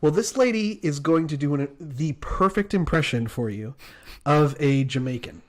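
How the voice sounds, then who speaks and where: A man co-hosting a podcast in casual chat, excitable and quick to laugh. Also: on the high side. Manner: excitable, gushing, laughs easily. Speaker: podcast co-host.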